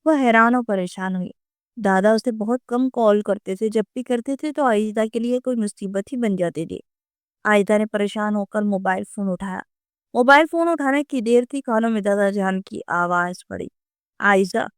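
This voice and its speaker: A woman narrating a romance novel audiobook in a steady dramatic storytelling voice. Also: mid-range voice, smooth, no room sound, clean studio sound.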